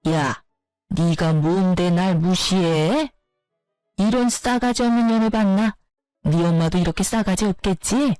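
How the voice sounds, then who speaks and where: A woman's voice: mid-range voice, normal speed, darkish tone, dry recording, faint music behind, close to an everyday voice. A woman voicing a contemptuous middle-aged mother-in-law who berates and insults her daughter-in-law. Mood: shouting.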